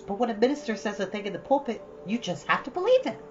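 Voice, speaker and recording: A woman's voice: on the high side, sing-song, fast, faint music behind. A woman voicing a dreamy, romantic, chattering young girl in a storybook, gushing with dramatic earnestness. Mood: thrilled, earnest. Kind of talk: storybook read-aloud. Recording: dull, lo-fi, faint background noise.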